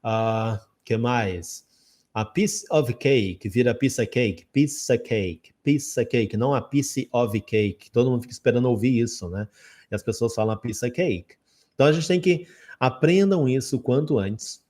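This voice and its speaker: A man with a Brazilian Portuguese accent teaching English in a live online lesson, repeating phrases slowly and then explaining them. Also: mid-range voice, a little mellow.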